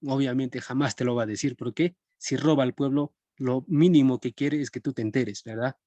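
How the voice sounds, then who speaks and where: A man's voice: medium pitch, fairly even intonation, moderate pace, mellow, dry recording. A young man teaching a live-streamed philosophy class in a conversational way, often checking in with his students. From Peru.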